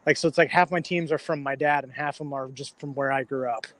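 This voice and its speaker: A man's voice: mid-range voice, steady tone, fast, a bit bright. A young American man in his twenties from Florida, hosting a casual podcast chat and interviewing a guest. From Florida, United States.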